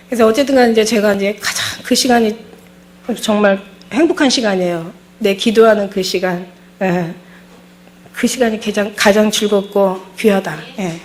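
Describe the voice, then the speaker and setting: A woman's voice: fairly high pitch, darkish tone. A middle-aged woman pastor giving an emotional testimony sermon, fervent and repeating her words as she speaks.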